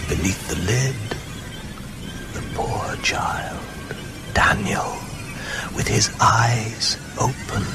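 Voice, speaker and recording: An actor playing a sinister old male vampire in a radio horror drama, breathy, deliberate and commanding. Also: mid-range voice, huge pitch swings, music in the background, exaggerated voice. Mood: sinister, insinuating. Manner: slow, deliberate, menacing, drawn-out phrases.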